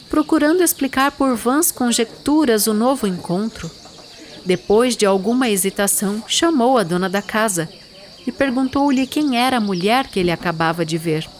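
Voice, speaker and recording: Measured woman narrating a literary audio drama. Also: mid-range voice.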